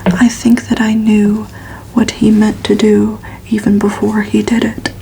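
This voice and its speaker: A woman reads a gothic novel aloud for ASMR in a soft, hushed whisper, narrating evenly. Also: mid-range voice, vocal fry, a little hiss or hum, poor audio. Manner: slow, hushed, even narration. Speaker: ASMR reader.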